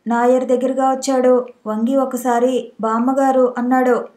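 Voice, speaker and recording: A woman's voice: fairly high pitch, little pitch movement, normal speed, warm tone. A woman narrating a novel as an audiobook, reading steadily and evenly.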